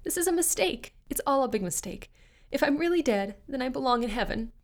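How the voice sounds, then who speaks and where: A woman voicing a terrified woman who pleads in a high, panicked voice. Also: big pitch swings, normal speed, vocal fry, darkish tone. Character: terrified woman trapped in an elevator.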